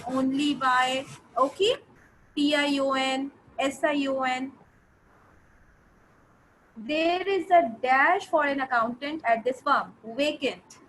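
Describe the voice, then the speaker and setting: A woman's voice: high voice, fairly bright tone, slight background noise, low-quality recording. A woman with a South Asian accent teaching an interactive grammar lesson, instructive, repeating phrases and checking that pupils understand. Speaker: English teacher.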